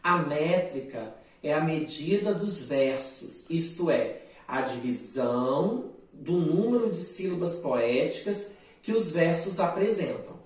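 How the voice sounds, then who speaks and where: Brazilian male literature teacher, slow and explanatory, set back from the mic in a very echoey room. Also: a little high, animated, a little mellow, far from the mic. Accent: Brazilian Portuguese. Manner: slow, explanatory, with frequent "né" and "tá" checks. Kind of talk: recorded online class lecture.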